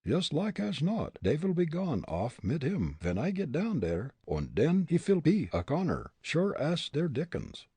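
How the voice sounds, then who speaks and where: A man's voice: a little high, huge pitch swings, unhurried, few pauses, mellow, husky, dry recording, voice pushed up, heavily acted. A man voicing a bumbling young male detective with a thick mock German-Dutch dialect in a storybook reading. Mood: comic grumbling.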